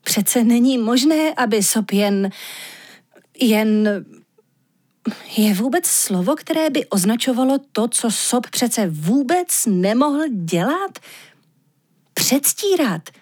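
A woman voicing a gentle, thoughtful female fox in a storybook reading, speaking softly and musingly. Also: on the high side, animated, long pauses, slightly rough.

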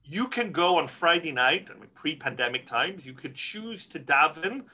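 A man's voice: on the high side, expressive, moderate pace, bright, forceful tone. A middle-aged man from Scotland, a rabbi answering interview questions earnestly and frankly, with many restarts.

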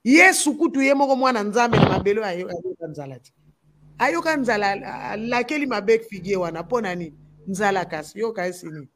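A woman's voice: mid-range voice, expressive, moderate pace, noisy background. Emphatic Congolese gospel singer woman. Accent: Congolese French. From Democratic Republic of the Congo. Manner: emphatic, repeats phrases for stress. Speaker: gospel musician. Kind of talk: impassioned talk-show discussion.

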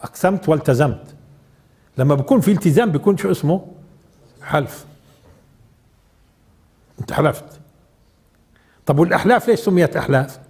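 Man, older, high voice, casual teaching tone, questions to listeners. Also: expressive, a little fast, long pauses, a little mellow, husky. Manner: conversational, asks the audience questions. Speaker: Quran teacher. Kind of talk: informal religious lesson.

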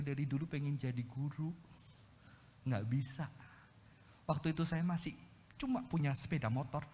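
A man in his forties preaching a sermon as a pastor, animated, moving between loud exclamations and quiet storytelling, into his speech. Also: high-pitched. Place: church hall. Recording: long hall reverb.

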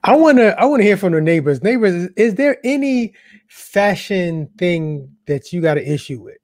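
A middle-aged man co-hosting a casual podcast, easygoing and quick with agreeing interjections. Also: high-pitched, sing-song, a little mellow, dry recording, studio quality. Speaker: co-host.

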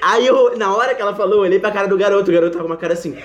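A young Brazilian man with a Brazilian Portuguese accent, telling a funny story in casual chat, animated and laughing often, with restarts. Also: sits high, racing, highs cut off. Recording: echoey room.

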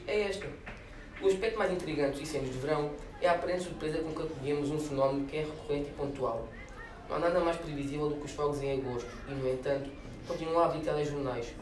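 A man reading a humorous prose excerpt aloud with a brisk, wry delivery. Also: a little high, darkish tone. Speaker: reader at a reading event. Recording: echoey room, distant mic, noisy.

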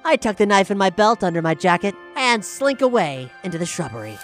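A woman's voice: mid-range voice, big pitch swings, brisk, soft background music, close to an everyday voice. A woman playing a defiant, wisecracking teenage boy thief in a roleplayed audio drama. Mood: sly. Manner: wisecracking, insolent, slangy.

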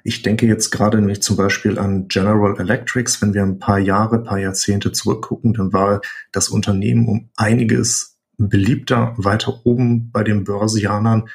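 A low-voiced man hosting a podcast, his voice gravelly with fry. He is a native German speaker and asks curious, drawn-out follow-up questions. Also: little pitch movement. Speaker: podcast host. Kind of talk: interview questions.

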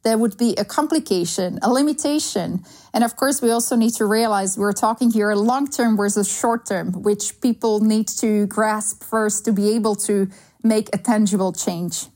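A woman in her thirties from Slovakia with a Slovak accent, answering interview questions in an earnest, measured way with frequent fillers. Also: mid-range voice, mellow. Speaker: guest, sustainability consultancy founder.

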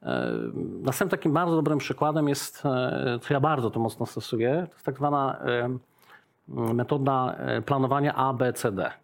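A man's voice: mid-range voice, moderate pace, gravelly. A middle-aged man, a business owner, talking in a casual interview and explaining with examples, often checking in with "tak?".

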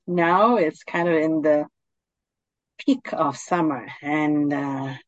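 A woman guides a meditation at a very slow, unhurried pace. Her voice is fairly low and soothing, with calm, gentle instructions. The recording is dry and slightly dull. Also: dry recording.

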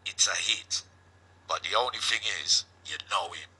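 A man's voice: sits low, normal speed, bright, forceful tone, breathy edge, heavily acted, rough recording. A man voicing a cool Jamaican prison dealer. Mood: scheming.

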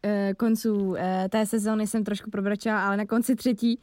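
A young woman, a voice actress, chatting casually in a lively, teasing way with jokey interjections. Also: mid-range voice, dry recording. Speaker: voice actress and co-guest. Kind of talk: casual chat.

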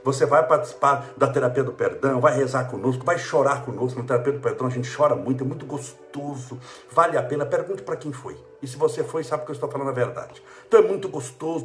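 A man with a Brazilian Portuguese accent giving a spiritual talk, telling everyday scenes with rhetorical questions and repeating phrases for emphasis. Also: medium pitch. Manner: animated storytelling with rhetorical questions. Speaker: spiritual speaker.

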